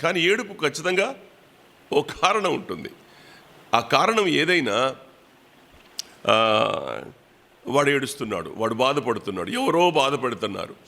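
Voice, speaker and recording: A man preaching a Bible sermon in a prayer hall, repeating his phrases and pausing on drawn-out fillers. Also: medium pitch, sing-song, gravelly, pushed and bright.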